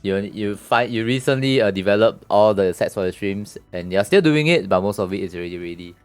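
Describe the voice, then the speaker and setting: A man's voice: on the low side, fairly quick, clean tone, no room sound. A man with a Singaporean accent hosting a casual stream chat, rambling and repeating his phrases. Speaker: stream host. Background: background music.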